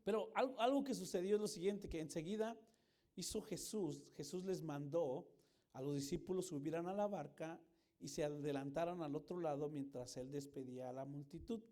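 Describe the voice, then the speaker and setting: Man, pastor, high voice, lively sermon, jokes with congregation, acts out scenes. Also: normal speed. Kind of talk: lively sermon with acted-out anecdotes. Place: church.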